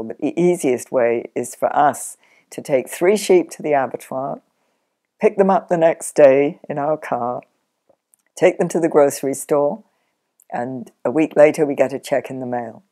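An older woman sheep farmer, chatty and practical, explaining her farm work step by step in a relaxed interview at home. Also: deep voice. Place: sunlit living room, in an armchair.

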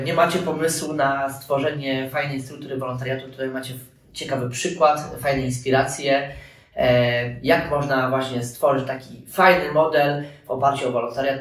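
A man in his thirties hosting a webinar interview, asking questions and speaking to the viewers directly, with some fillers. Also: mid-range voice. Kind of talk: hosted interview. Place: room with armchairs and radiator, indoors. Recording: echoey room, mic at a distance.

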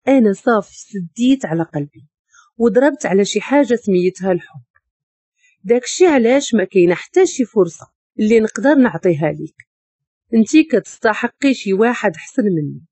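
Moroccan woman voicing cold young husband, flat and dismissive, husky, dry sound. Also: medium pitch, no room sound.

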